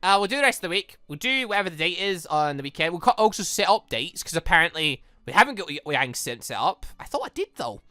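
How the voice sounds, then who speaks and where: An excitable gaming video host giving rambling let's play commentary, with exclamatory, theatrical reactions. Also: mid-range voice, fast, few pauses, no echo. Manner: rambling, self-confessed ranter.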